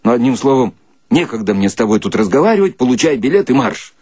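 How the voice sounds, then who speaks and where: A man voicing a stern, gruff military commissar who scolds in an emphatic, colloquial way. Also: mid-range voice, big pitch swings, fast, warm tone, no room sound. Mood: exasperated, scolding.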